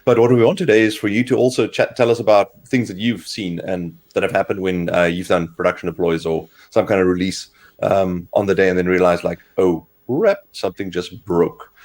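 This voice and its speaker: Hoarse man explaining tech stories. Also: deep voice, flat delivery, a little fast, darkish tone. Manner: explanatory, rambling with fillers. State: hoarse from a cold. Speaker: co-host. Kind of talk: casual tech livestream talk.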